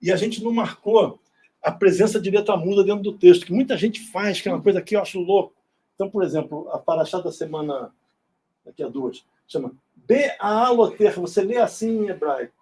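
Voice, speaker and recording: A man's voice: sits high, brisk, mellow, breathy edge. A middle-aged man from Brazil giving an informal classroom lecture in an auditorium, often checking in with tag questions. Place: synagogue auditorium.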